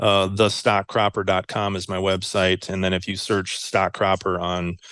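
Man with a Midwestern American accent, fairly low in pitch, at a moderate pace against a quiet background. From US Midwest, northern Iowa. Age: 40s. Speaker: farmer. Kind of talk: interview. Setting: remote call from his sunroom. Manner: halting, many fillers.

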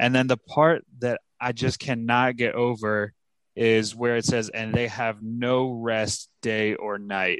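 A man speaks at a very slow pace in monotone, flat intonation. The sound is dry and close with no echo, and the background is quiet. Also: medium pitch for a man. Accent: American. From New Jersey. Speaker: podcast co-host, researcher and writer. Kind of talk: interview conversation.

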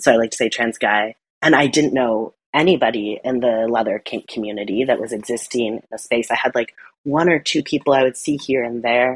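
A man's plain, everyday voice at a medium pitch and fairly quick pace, ordinary pitch variation, dry, close sound with no echo. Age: 30s. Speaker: therapist. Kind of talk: interview.

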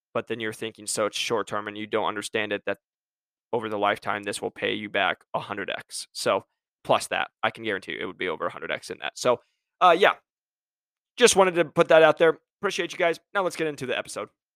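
A man talks very fast at a medium pitch in an animated tone, with very wide pitch swings and big swings in loudness. The sound is dry and close with no echo, on a very clean recording with a silent background. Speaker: podcast host, medical device sales rep. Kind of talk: solo podcast monologue.

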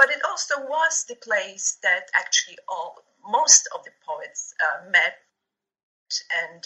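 Very slowly, a woman speaks with big swings in loudness. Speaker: literature professor. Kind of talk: interview. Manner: hesitant.

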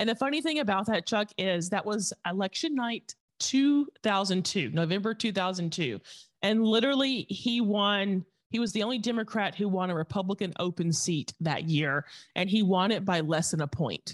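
A woman with a Southern US accent at a medium pitch, with lively intonation and a dry, close sound with no echo against a quiet background. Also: moderate pace, very even loudness. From rural Tennessee. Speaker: author and speaker, former political staffer. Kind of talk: interview.

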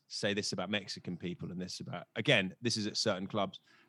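A man with a British accent talks at a fairly quick pace in a bright, sharp tone. His pitch is fairly low, and the sound is dry and close with no echo. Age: 30s. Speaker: comedian. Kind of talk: casual chat.

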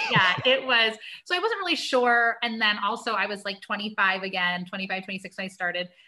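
With an American accent and an animated tone, a woman speaks at medium pitch and a moderate pace with ordinary pitch variation over noticeable background noise. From US Midwest, Cincinnati. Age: 30s. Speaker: stand-up comedian and podcaster. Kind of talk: casual interview conversation. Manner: animated, chatty.

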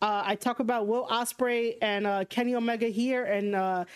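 A woman with an American accent speaks in a fairly high pitch. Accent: New York accent, called thick by chat. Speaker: wrestling podcaster and streamer. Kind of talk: solo live-stream podcast commentary. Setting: live stream. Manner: casual with many fillers.

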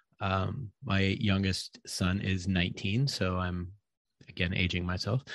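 Against a quiet background, a man speaks at a very slow pace. His pitch is very deep and low, and his intonation stays fairly even. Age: 40s. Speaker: tech company employee and ADHD coach. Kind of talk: casual interview.

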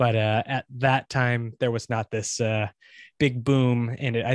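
In an ordinary speaking voice with an American accent, the speaker goes at a moderate pace, the sound dry and close with no echo against a quiet background. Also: man. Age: 30s. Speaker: satire website co-founder and editor. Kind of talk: casual chat. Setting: video call.

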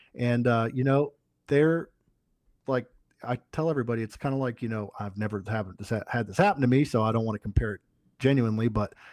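A man speaks in a normal speaking voice at medium pitch and a fairly quick pace, with ordinary pitch variation. The sound is dry and close, with no echo and a quiet background. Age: 30s. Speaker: January 6 defendant and podcaster. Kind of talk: interview testimony.

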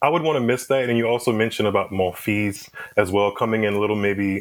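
With an American accent, a man speaks at a fairly quick pace and fairly low pitch in a normal speaking voice. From US South, New Orleans. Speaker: podcast host. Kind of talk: casual chat.

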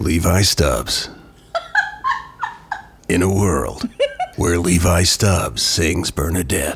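A man uses a put-on character voice, very deep and low. He speaks at a very slow pace with long, frequent pauses. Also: very even loudness. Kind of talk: dramatic movie-trailer style.

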